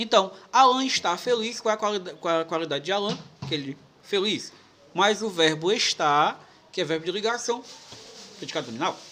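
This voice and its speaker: A man with a high pitch uses a raised, projected voice and a bright, sharp, animated tone, moving at a fairly quick pace with lively intonation and long, frequent pauses. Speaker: teacher. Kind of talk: lecture. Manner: fast.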